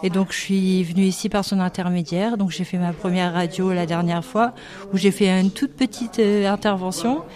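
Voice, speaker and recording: A woman calmly describing how she joined a radio workshop. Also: mid-range voice, normal speed. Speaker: radio show participant. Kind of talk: casual interview answers.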